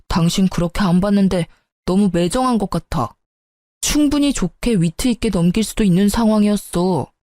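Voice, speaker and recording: A woman's voice: medium pitch, dark tone, no echo, studio quality, close to an everyday voice. A woman voicing a tactless, sulky young husband in a story radio drama, whining and self-justifying.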